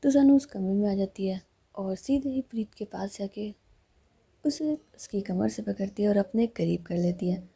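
A woman tells a love story in a soft, often whispered delivery. Her voice is very dark and mellow, with a husky grain to it. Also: medium pitch, normal speed.

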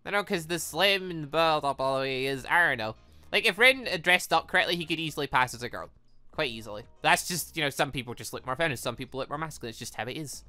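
Role: let's play host. Style: rambling commentary over a visual novel. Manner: chatty, bright, lively pitch. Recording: dry, close, faint music. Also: quick pace, no room sound. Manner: chatty, rambling, laughs often.

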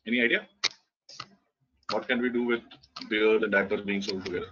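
A Gujarati-speaking man in his thirties with an Indian English accent gives an online business lecture as a webinar speaker from an indoor room over a video call. His fairly low, pushed and bright voice is fairly even in intonation and a little fast, loose with many fillers and restarts, on slightly dull lo-fi call audio with slight background noise.

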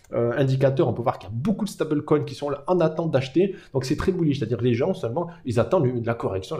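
A young man hosting a casual market analysis, talking fast and excitably to his viewers with lots of trading slang. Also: on the high side. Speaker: crypto market analyst, channel host.

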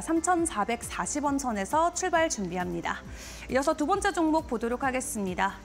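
Young female financial news anchor: high, animated voice, formal studio delivery over a music bed. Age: young adult. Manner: polished, formal presenter delivery. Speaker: TV stock market news presenter. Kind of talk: broadcast financial report presentation. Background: background music.

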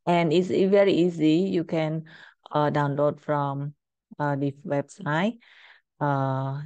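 Halting, low-pitched Cambodian-accented woman. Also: dark tone, no echo. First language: Khmer. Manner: halting, simple learner's English. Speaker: Khmer language teacher. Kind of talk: informal screen-share language lesson.

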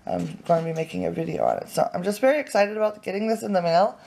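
A woman vlogger chatting excitedly at home as she unboxes craft supplies, with lots of fillers. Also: fairly low pitch, fast, gravelly. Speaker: family vlogger. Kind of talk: casual unboxing chat. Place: home, indoors at a table.

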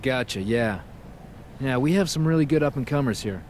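A man's voice: mid-range voice, lively intonation, normal speed, a little mellow, a little hiss or hum, lightly acted. A man voicing a self-assured male wrestling champion in a video game, dry and wry.

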